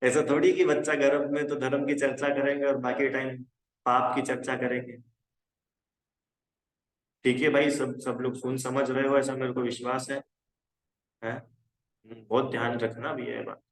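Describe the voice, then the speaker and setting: Medium in pitch, level in tone, and moderately paced with frequent pauses, this man's voice sounds reverberant on a poor-quality recording. He's giving a casual spoken religion lesson to a youth class, conversational and encouraging, often asking whether the students are keeping up.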